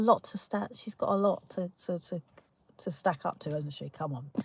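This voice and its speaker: With a London accent, a woman speaks at a moderate pace with big swings in loudness, in a dry, close sound with no echo. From UK, British Jamaican. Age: 40s. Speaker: livestreamer. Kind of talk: casual chat. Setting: livestream. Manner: animated.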